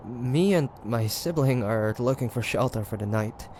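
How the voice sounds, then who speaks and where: A man playing a guarded, sardonic young demon hunter with a soft side, in a hesitant, stammering roleplay audio drama. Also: mid-range voice, animated, measured pace, slight background noise, close to an everyday voice. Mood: pleading. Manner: hesitant, stammering, teasing, sighing. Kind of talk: roleplay audio drama, one-sided dialogue.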